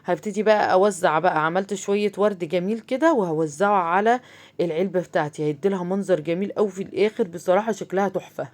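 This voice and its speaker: A woman's voice: fairly low pitch, fast talker. A woman with an Egyptian accent hosting a casual craft tutorial, chatting straight to her viewers with plenty of fillers as she explains each step. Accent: Egyptian Arabic. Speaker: crafts channel host.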